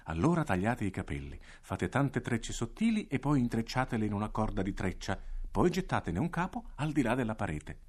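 A man voicing a small, invisible male flying sprite who gives calm, practical advice. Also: on the low side, fairly quick, breathy edge, pitched above the performer's own voice. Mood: helpful.

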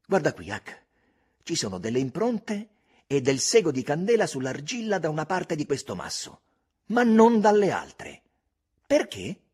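A man doing an excited, eager young boy. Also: fairly high pitch, unhurried, breathy edge, voice pushed up, full character voice. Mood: puzzled. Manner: eager, exclaiming, boyish. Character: bold adventurous boy, excited leader.

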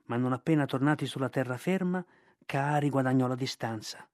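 A man reading a novel aloud in a measured, expressive narrating voice. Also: medium pitch, no echo, studio quality. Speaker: audiobook reader.

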